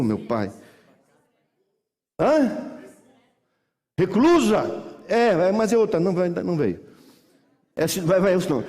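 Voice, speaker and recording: A middle-aged man preaches from the pulpit. His fairly high voice tells homely stories with lively energy and acts out the people in them. Long reverb from the church hall trails every line. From Brazil. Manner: animated folksy storytelling, acts out voices. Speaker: pastor. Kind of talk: sermon.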